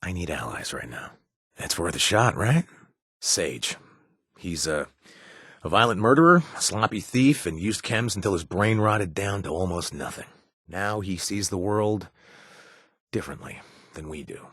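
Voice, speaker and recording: A sardonic ex-raider bartender in a game, low husky voice, swings up and down a lot, dry studio sound. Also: male voice, expressive, a bit bright, dry recording, exaggerated voice. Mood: easygoing, wry. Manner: sardonic, self-deprecating, halting with fillers. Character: wry former raider turned bartender, young adult man. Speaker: game companion character. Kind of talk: video game voice acting. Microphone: studio mic.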